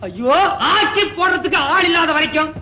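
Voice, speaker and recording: Teasing comic rickshaw puller; high, sharp voice, roomy old film sound. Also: male voice, animated, heavily acted. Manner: teasing, rapid wisecracks. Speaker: comic side character. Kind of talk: 1960s film comedy acting. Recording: echoey old film soundtrack with faint hiss.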